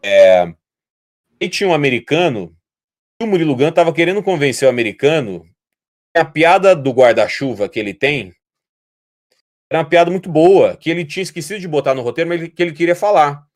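A man's voice: fairly high pitch, fairly quick. A man from Brazil chatting casually, telling long, rambling stories and imitating voices. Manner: rambling animated storytelling, imitating other people's voices. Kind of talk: casual chat.

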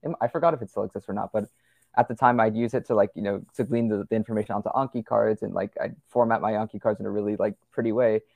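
Fast-talking gravelly young man. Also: lowish voice, steady tone, darkish tone, no echo. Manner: rambling, many fillers and restarts. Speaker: podcast guest. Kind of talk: casual conversational interview.

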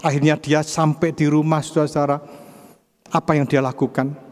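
A male preacher delivering a sermon, swinging dramatically between soft reflection and loud urging. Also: a little high, flat delivery, brisk, long reverb tail.

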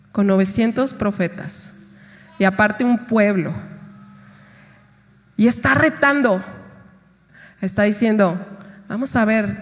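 A woman pastor preaching a sermon, retelling a scripture story and acting out its voices. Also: mid-range voice. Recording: long reverb of a hall.

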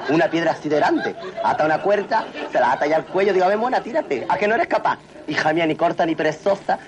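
A man's voice: on the high side, background noise. An actor playing a flamboyant male cabaret entertainer telling a camp joke on stage in a 1970s film. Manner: camp, theatrical, laughing storyteller.

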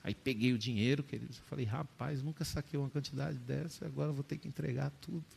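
A man's voice: fairly even intonation, fast, creaky, breathy edge. A male preacher telling a testimony in a sermon, addressing the congregation as dear ones and building to emphatic peaks. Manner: storytelling, addresses the listeners as "dear ones" again and again; rises to high, loud emphatic peaks in his preaching.

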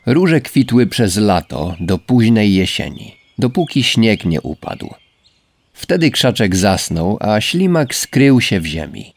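A man reading a fairy tale aloud in a calm, measured way. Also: on the low side. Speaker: narrator. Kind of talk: storybook reading. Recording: faint background music.

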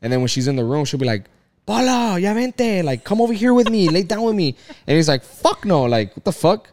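A man's voice: sits high, big pitch swings, a little fast, darkish tone, a little hiss or hum. A man in his thirties in a casual chat, rambling along with lots of swearing and filler words. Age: 30s.

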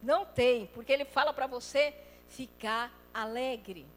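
High-voiced woman preaching in a hall. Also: a little slow, a little hiss or hum. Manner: acts out quoted voices, swings loud and soft. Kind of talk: lively sermon.

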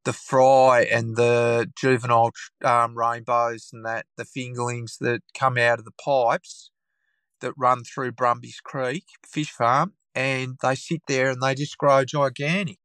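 An Australian man with a croaky voice from a cold talks through a long explanation at a steady middle pitch, circling back and restarting his sentences. The sound is dry and close, with no room around it. He talks easily, as if chatting with a mate. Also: a little slow, no echo. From Tasmania, Australia. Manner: rambling explanations with many restarts and fillers. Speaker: guest taxidermist. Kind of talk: casual podcast chat.

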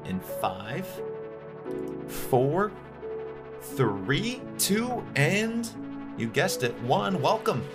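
A man's voice: a little high, big pitch swings, drawn-out words, long pauses, over loud music. A man hosting a podcast in a hyped, playful, buddy-like way. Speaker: podcast host.

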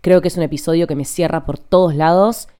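A young woman with an Argentine Spanish accent hosting a casual podcast monologue in a hurried, over-energized, chatty way. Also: low-pitched, fairly even intonation, dark tone, smooth. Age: young adult. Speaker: podcast host.

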